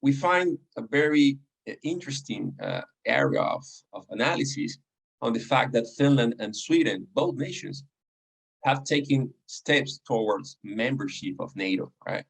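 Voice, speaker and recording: A man with a gravelly, slightly husky voice moderating an academic panel. He speaks haltingly, with frequent fillers between phrases. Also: mid-range voice, lively intonation, poor audio.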